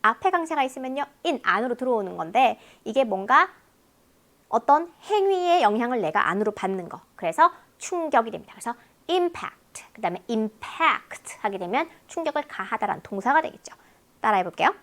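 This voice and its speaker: Lively, high-voiced woman teacher. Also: a little fast. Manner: explains word pairs in a lively, talkative way. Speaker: English teacher. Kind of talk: lecture on English listening.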